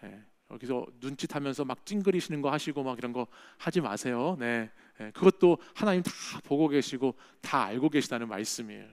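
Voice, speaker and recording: A man's voice: medium pitch, lively intonation, brisk, few pauses, clean tone. A male pastor preaching a sermon in a church, talking in a conversational way and often checking in with the congregation. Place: church sanctuary.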